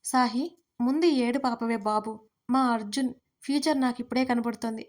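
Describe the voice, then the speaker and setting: A woman's voice: fairly high pitch, steady tone, fairly quick, natural voice. A woman voicing a bossy young woman in an audio story who scolds her friend in an exasperated way.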